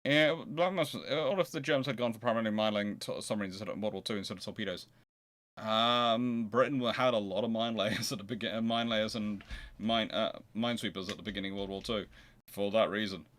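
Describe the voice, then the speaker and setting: A man's voice: fairly low pitch, a little fast, a bit bright. A man hosting an informal expert question-and-answer talk, discursive and often breaking off to rephrase his sentences as he thinks aloud. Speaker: host answering viewers' history questions.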